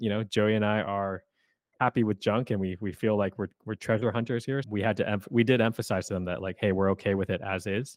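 A man with an American accent and an unremarkable speaking voice, fairly low in pitch, with fairly even intonation and a fairly quick pace. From United States. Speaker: podcast co-host, property startup co-founder. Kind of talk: casual chat.

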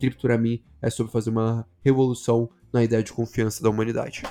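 Monotone and flat, a man's voice of medium pitch carries a dark, mellow tone. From Goiânia, Brazil. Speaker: crypto market analyst. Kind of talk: casual interview. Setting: studio.

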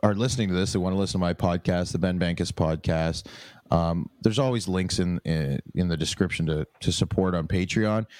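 A man with a Canadian accent speaks in a very deep, low voice with ordinary pitch variation, recorded very cleanly against a silent background. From Canada. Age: 20s. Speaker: stand-up comedian. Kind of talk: casual chat.

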